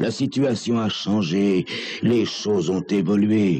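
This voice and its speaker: Over music in the background, a man talks at a very slow pace with a fairly low pitch and ordinary pitch variation. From France. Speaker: voice actor and actor. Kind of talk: radio crime story narration. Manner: first-person narration by a talent agent.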